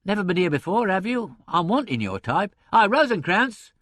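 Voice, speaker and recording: A man voicing a hectoring, stout theatrical agent in an audiobook, bellowing in an excitable, brusque way. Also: sits high, normal speed, no room sound, studio quality, pitched above the performer's own voice, heavily acted. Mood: blustering, impatient.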